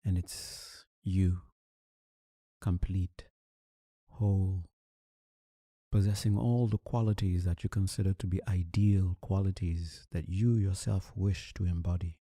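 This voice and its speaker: A man leading a guided meditation as a teacher, speaking calmly and soothingly with long, deliberate pauses. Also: deep voice, no echo, clean studio sound.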